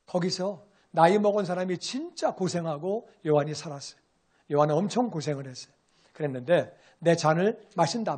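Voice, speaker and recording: A male pastor delivering a sermon with a high-pitched voice. He preaches in an animated, conversational way, slipping into casual asides and acting out the voices he quotes.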